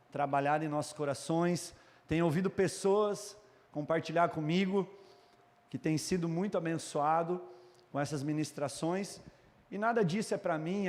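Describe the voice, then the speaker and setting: Brazilian pastor, male, high voice, preaching to the room and the camera, long church-hall reverb. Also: darkish tone. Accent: Brazilian Portuguese. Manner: addresses congregation and online viewers directly, prays aloud. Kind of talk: sermon.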